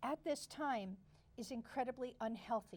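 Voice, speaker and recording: Her pitch is high, and the woman speaks at a moderate pace. Her pitch varies in an ordinary way. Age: 60s. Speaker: congressional candidate. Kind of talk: interview.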